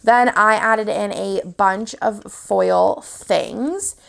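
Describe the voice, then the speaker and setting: Sniffly woman with vocal fry. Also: mid-range voice, extremely slow. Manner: chatty, upbeat, walks through items one by one. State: sniffly from a cold. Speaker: sticker shop owner. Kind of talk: casual product showcase.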